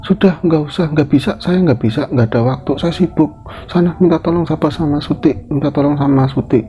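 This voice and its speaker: A man voicing an arrogant, scornful village woman healer with sharp, dismissive speech. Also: on the high side, brisk, pitched above the performer's own voice, natural voice. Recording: dull lo-fi recording.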